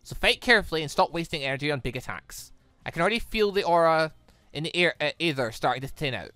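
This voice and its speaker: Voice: mid-range voice, animated, quick pace, sharp tone, dry recording. A gaming host voicing a haughty, irritable villainess from a visual novel, curt and scornful. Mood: irritated, scornful. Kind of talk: visual novel dialogue read aloud.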